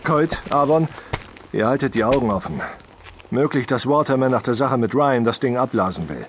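Man playing crime boss, wary, commanding, medium pitch, audio drama, slight noise. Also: expressive, moderate pace, lightly acted. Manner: firm, distrustful. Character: wary, commanding male criminal gang leader.

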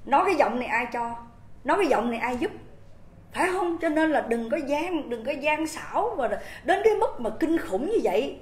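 A woman with a Southern Vietnamese accent giving an impassioned livestream monologue, indignant and emphatic, firing rhetorical questions at her viewers. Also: high voice. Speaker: livestream host. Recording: roomy echoing room.

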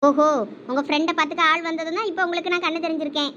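A young woman acting in a village comedy skit, teasing with sharp, quick retorts. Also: extremely high pitch, flat delivery, dull audio, a little hiss or hum. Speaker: sketch actor.

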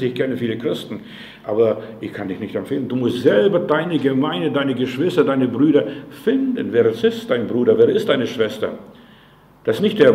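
A man's voice: mid-range voice, warm tone. A man preaching a sermon as pastor, speaking directly to the listener in a conversational way and often asking if they understand. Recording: echoey room.

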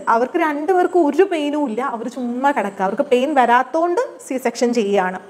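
A young Malayali woman tells her birth story as a casual vlog, her voice high and her words rushing out quickly. She talks in a chatty, unscripted way and keeps acting out little bits of dialogue between herself and the nurses. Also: darkish tone. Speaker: vlogger telling her childbirth story.

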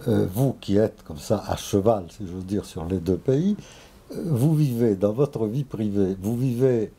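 A man's voice: on the low side, animated, a little slow, warm tone, breathy edge. A man asking a guest questions in an interview, speaking politely and formally in an indoor office. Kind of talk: conversational interview. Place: book-lined office, indoors.

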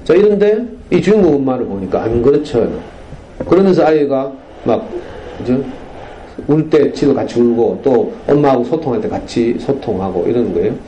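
경상도 억양의 중년 남성이 학교 강당에서 학부모들에게 청중에게 질문을 던지며 생생하게 이야기를 풀어내는 강연을 합니다. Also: male voice, medium pitch, moderate pace, a little hiss or hum, poor audio. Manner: animated storytelling, rhetorical questions to the audience. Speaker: parenting lecturer. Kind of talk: lively lecture to parents. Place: school lecture hall.

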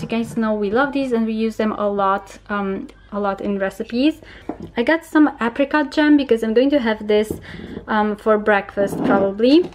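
A woman's voice: on the high side, a little mellow, a little hiss or hum. A young woman talking casually and chattily in an informal vlog style, recorded on a handheld camera in a home kitchen. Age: young adult. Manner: chatty and informal, small laughs between remarks. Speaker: vlogger.

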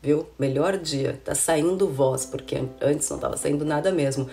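Hoarse from a cold, this immigration consultant chats in a casual, informative vlog, speaking to the camera at close range from an indoor room with window blinds. Her voice is low and mellow, with fairly even intonation at normal speed, and she calls her audience "gente" while frequently saying "né?" and "viu?".

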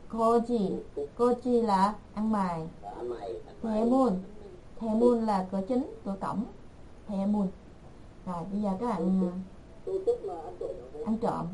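A woman teaching an online language class, repeating words slowly and patiently for her learners. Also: mid-range voice, warm tone, slight background noise, low-quality recording.

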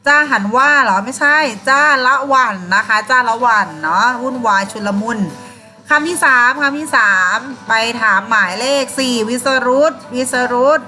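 Woman, teacher, bright clear voice, encouraging, calls on pupils, faint music underneath. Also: a little high. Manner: encouraging, calls on pupils by name, frequent polite particles. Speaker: primary school Thai teacher. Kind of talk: classroom exercise walkthrough.

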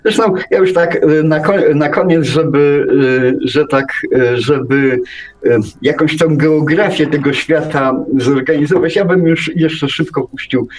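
A man's voice: on the high side, a little slow, a little hiss or hum, low-quality recording. A man in a philosophical conversation, speaking earnestly and searching for his words as he goes. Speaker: guest presenting texts.

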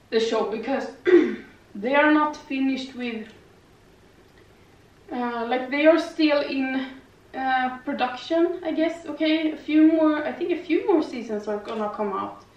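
A young woman with a foreign accent talks in a loose, rambling way, dotting her sentences with fillers and tag questions. Her voice sits a little high. It comes from a camera across an echoey living room, sounding distant and slightly dull. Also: a little mellow. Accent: non-native English, lives in Sweden. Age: young adult. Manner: rambling, chatty, lots of fillers and "okay?". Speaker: vlogger. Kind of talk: casual chat while doing yoga. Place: living room with slanted ceiling, indoors. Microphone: far camera.

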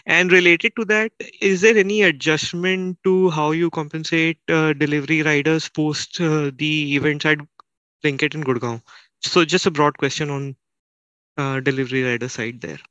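A man speaking as a financial analyst, asking halting questions on an earnings call. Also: a little high, steady tone, sharp tone, smooth, dry recording, lo-fi sound. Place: conference call.

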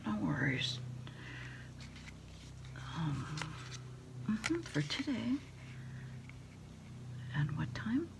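A middle-aged American woman whispering an ASMR role-play as someone taking phone orders, unhurried and pausing as if listening to a caller. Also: mid-range voice, very animated, gravelly, noisy background. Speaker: ASMR creator role-playing a food delivery order taker.

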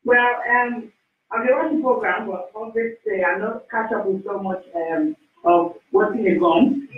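A woman calling in to a radio talk show, speaking haltingly with loose phrasing and fillers. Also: medium pitch, far from the mic. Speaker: caller. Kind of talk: phone-in call. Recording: tinny phone line through echoey studio.

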